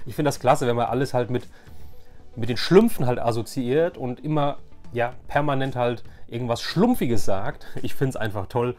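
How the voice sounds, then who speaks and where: A man's voice: mid-range voice, moderate pace, darkish tone. Chatty man in his forties, faint music. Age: 40s. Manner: chatty, repeats words for emphasis. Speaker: YouTube host. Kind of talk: casual nostalgic show-and-tell.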